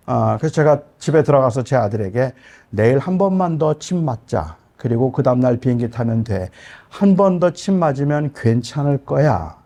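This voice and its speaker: A man's voice: medium pitch, animated, normal speed. A middle-aged man, a pastor, telling a personal story in a sermon with emotional storytelling. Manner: emotional storytelling, rising to loud outbursts.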